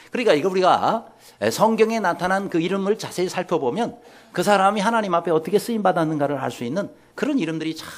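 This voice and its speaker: A male pastor preaching a sermon in a church, telling stories and speaking directly to his congregation. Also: on the high side. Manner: animated storytelling, addresses the congregation directly. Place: church sanctuary.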